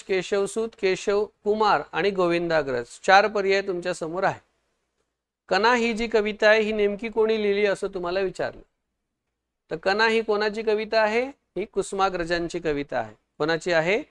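A man teaching an online exam-prep lesson, quizzing viewers, urging quick answers and praising their comments. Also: high voice, fairly bright tone, clear, resonant tone.

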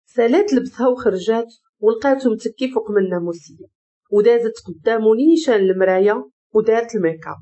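A woman with a Moroccan accent narrating a dramatic family story in an expressive way. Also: mid-range voice, breathy edge.

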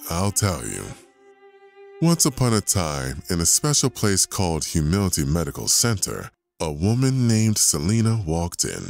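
A gentle werewolf father, acted by a man, with a gravelly voice that moves widely up and down. He speaks with tender, polite care, like a doctor in an audio drama. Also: low voice, exaggerated voice. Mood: wistful. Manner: tender, polite, soft-spoken storyteller.

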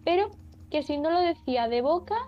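A woman's voice: high-pitched, animated, dull audio. A young woman from Asturias, a streamer chatting frankly and casually while playing, swearing now and then. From Asturias, Spain. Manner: frank, talks fast when heated, swears casually. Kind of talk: casual chat while gaming.

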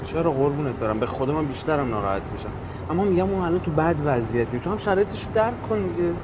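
An actor playing a husband in a film drama, coaxing and affectionate as he tries to calm his wife. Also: on the high side, natural voice. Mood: placating. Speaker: husband of the young woman. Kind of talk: Iranian film drama acting. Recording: film soundtrack with clear background noise.

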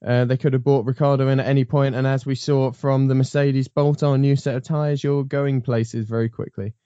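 A man's voice: medium pitch, level tone, brisk, dark tone, clean tone, no echo, lo-fi sound. A man hosting a casual motorsport panel chat, rambling with frequent ums and restarts. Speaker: podcast host.

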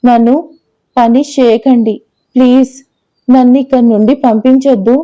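A woman's voice: on the high side, fairly even intonation, moderate pace, dark tone, muffled recording, close to an everyday voice. A woman voicing a timid young wife who pleads apologetically for a second chance. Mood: pleading.

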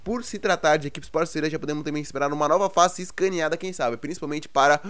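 Fast-talking Brazilian gaming host. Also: male voice, a little high, fairly bright tone, clear, resonant tone. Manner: chatty, keeps asking "né, galera?". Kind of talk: casual game news vlog.

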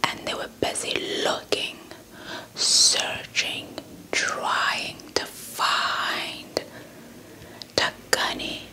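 Extremely slow and breathy, a South African woman in her young adult years whispers an ASMR folktale with playful roleplay, repeating words and phrases right at a handheld mic with a fluffy windscreen. Her tone is bright and forceful, and she records in a small indoor setup in front of a cloth backdrop.

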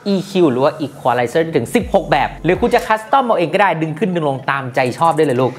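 A woman with a low voice talks through a gadget review in a chatty, playful way. Her pitch swings widely as she goes, and she drops teasing asides to her viewers. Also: big pitch swings, a little fast. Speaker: tech product reviewer. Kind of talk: casual product review.

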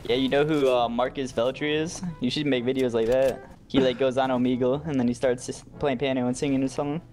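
A man's voice: medium pitch, little pitch movement, fast, a little mellow, faint music behind. Laid-back young guy on voice chat. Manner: laid-back, effusive, says bro and dude. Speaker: random teammate. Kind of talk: casual gaming chat.

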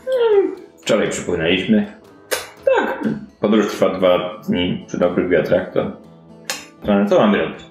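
A man voicing a gruff, impatient old sailor in a tabletop fantasy game, curt, grumbling and folksy. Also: low-pitched, huge pitch swings, a little slow, darkish tone, pitched below the performer's own voice, exaggerated voice. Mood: grudging. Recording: roomy sound with music underneath.

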